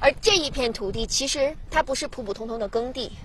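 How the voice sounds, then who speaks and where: A high-pitched woman talks at a moderate pace. The sound is dry with no echo, though background noise is noticeable. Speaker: travel show presenter; presenter. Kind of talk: on-location presenting and interviews. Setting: outdoors. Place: open country.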